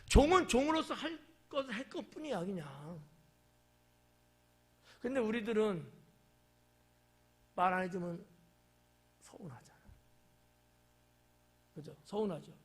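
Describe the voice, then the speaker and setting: A man's voice: sits high, very animated, slow pace, pauses often, a bit bright, slightly rough. A male pastor preaching a casual, conversational sermon at an evening church service, often quizzing the congregation and acting out quoted lines. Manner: acts out quoted lines in shifting voices.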